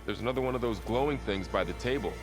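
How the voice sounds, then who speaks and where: An actor playing a loyal young tribal warrior in a video game, plainspoken, earnest and questioning. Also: male voice, mid-range voice, quick pace, over music, close to an everyday voice. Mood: wary. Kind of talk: naturalistic video game acting.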